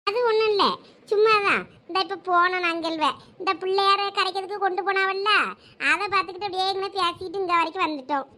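A woman's voice: very high voice, fairly even intonation, fast talker, pushed and bright. A woman with a Thoothukudi Tamil accent acting out gossipy, scolding village women in a comedy sketch.

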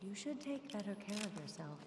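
An actress playing a calm, cryptic nurse in a horror game, speaking with measured, detached politeness. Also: female voice, mid-range voice, noisy background. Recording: echoey hall, quiet, music behind. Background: music.

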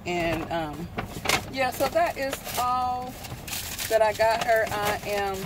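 A woman's voice: on the high side, takes it slowly. Chatty woman vlogging over car noise. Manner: chatty, rambling, with frequent ums and self-corrections. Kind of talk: casual shopping haul vlog. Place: store then parked car with air conditioner on. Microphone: handheld phone at arm's length. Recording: noisy phone video in a car. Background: car and street noise.

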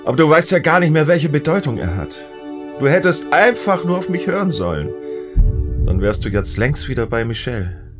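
A man's voice: a little high, sing-song, normal speed, music in the background. A man acting a stubborn, regretful old father in a German audio drama, speaking in a weary, grave, emphatic way. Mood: urgent, frustrated. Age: older.

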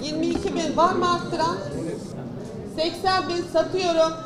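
Very high-pitched woman auctioneer calling bids. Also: little pitch movement, normal speed. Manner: repeats bids and closing calls. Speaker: auctioneer at a lost-property auction. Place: large crowded meeting hall indoors. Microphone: handheld microphone. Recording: echoey room, loud crowd noise. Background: loud crowd.

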